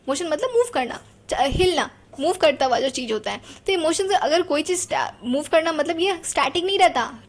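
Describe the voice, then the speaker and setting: High-voiced chatty woman teacher. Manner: chatty, asks the class rhetorical questions. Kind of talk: explaining a psychology lesson.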